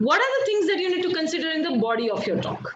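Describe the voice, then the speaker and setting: Audible room echo and light background noise surround a woman speaking with lively intonation. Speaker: public speaking trainer, emcee and voice-over artist. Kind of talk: workshop teaching to an audience. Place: home room. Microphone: video call.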